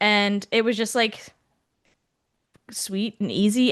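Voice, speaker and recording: A woman's unremarkable speaking voice at medium pitch, with fairly even intonation, against a quiet background. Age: 30s. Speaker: guest, new mother. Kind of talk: podcast interview.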